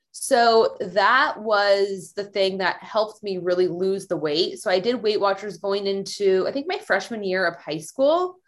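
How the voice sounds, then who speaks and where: With an American accent, a woman speaks in an ordinary speaking voice at a medium pitch. She goes at a fairly slow pace with hardly any pauses, and her pitch varies in an ordinary way. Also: very clean recording, silent background. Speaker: fitness trainer and podcaster. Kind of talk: casual chat.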